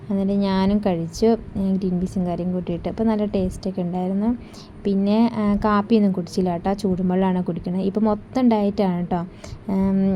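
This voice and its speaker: A woman's voice: medium pitch, lo-fi sound, slight background noise. A woman vlogger and mother chatting casually through her day, homely, often ending sentences with a friendly tag. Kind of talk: casual daily vlog narration.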